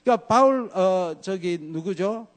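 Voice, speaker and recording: A male pastor delivers a sermon with a lively, wide-ranging voice that sits fairly high. He climbs to loud peaks and drops to hushed lows, acting out scripture quotes along the way. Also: measured pace. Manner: animated preaching, voice swings from loud highs to quiet lows.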